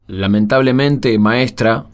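A man's voice: medium pitch, slow pace, clear, resonant tone, lightly acted. A man playing a worried, plain-spoken parent in a radio drama. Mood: concerned. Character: worried, plain-spoken parent fretting over costs at school meeting.

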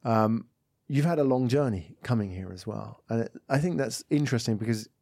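A man's voice: mid-range voice, fairly quick, gravelly, mellow, no echo. Chatty male podcast host, dry studio. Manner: chatty, rambling questions with frequent "mm" backchannels. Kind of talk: interview podcast.

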